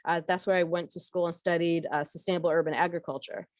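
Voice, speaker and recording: Low-voiced woman from Barbados. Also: level tone, fast talker, no room sound, clean studio sound. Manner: conversational, with frequent fillers and restarts. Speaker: workshop speaker. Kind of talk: personal talk in a workshop.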